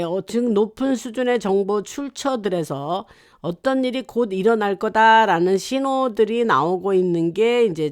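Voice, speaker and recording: A channel host from Korea giving a casual news commentary monologue, rambling and hesitating often with fillers. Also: medium pitch.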